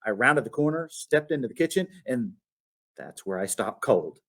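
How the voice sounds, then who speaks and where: A man reading a children's storybook aloud as its author, expressive and with dramatic emphasis. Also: medium pitch, moderate pace. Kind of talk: animated storybook read-aloud.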